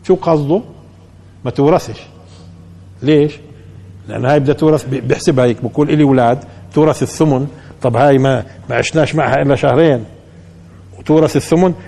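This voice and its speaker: A man's voice: on the high side, darkish tone. A man with a Palestinian accent, a sheikh giving a colloquial religious lesson, talking conversationally and answering his own rhetorical questions. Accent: Palestinian Arabic. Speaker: sheikh teaching Quran commentary.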